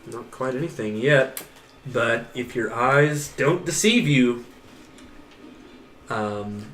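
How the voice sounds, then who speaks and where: Unhurried man narrating a tabletop game. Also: medium pitch, fairly bright tone. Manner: unhurried, descriptive, chuckles often. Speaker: game master. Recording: echoey room with faint noise.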